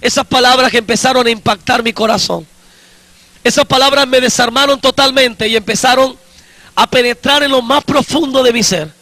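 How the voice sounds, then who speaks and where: A man in his forties with a very high, bright voice preaches his personal testimony as an evangelist. He talks slowly and with emphasis, going back over his own phrases. The sound is dry and close. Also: no echo.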